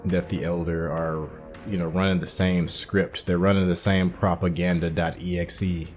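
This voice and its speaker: A man's voice: low voice, little pitch movement, moderate pace, darkish tone, faint music behind. A man hosting a gaming video, giving casual playthrough commentary in a musing, conversational way.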